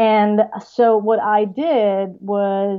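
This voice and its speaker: With a German accent, the speaker talks in a fairly even intonation. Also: woman. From Germany, Bavaria-Austria border. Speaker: TV writer. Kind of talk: interview. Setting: at home, remote interview.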